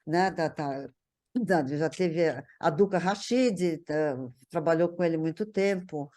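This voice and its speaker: An older woman with a São Paulo Brazilian accent speaks as a guest recalling her parent's career, her deep, dark-toned voice unhurried. She reminisces casually in conversation, often repeating words while searching for the next one.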